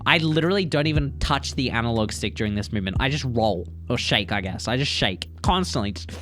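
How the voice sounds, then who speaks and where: A man's voice: mid-range voice, expressive, quick pace, fairly bright tone. A man who is a speedrunner and streamer, giving casual, blunt, teasing commentary on gameplay with gamer slang and swearing. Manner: blunt, teasing, exasperated critique.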